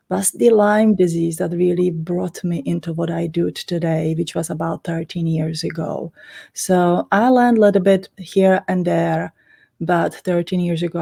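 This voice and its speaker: A woman from the Czech Republic with a Czech accent, talking earnestly and casually as an interview guest about meditation and healing, in loose non-native English with frequent soft laughs. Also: on the low side, vocal fry. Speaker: spiritual teacher and guest.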